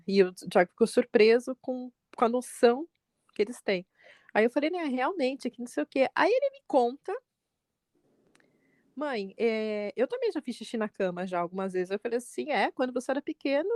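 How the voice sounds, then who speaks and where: A woman in her forties, a mother co-hosting a podcast, telling a family story in lively chat and jumping up in pitch when she quotes people. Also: dry recording, clean studio sound. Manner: animated retelling, quotes her son with pitch jumps.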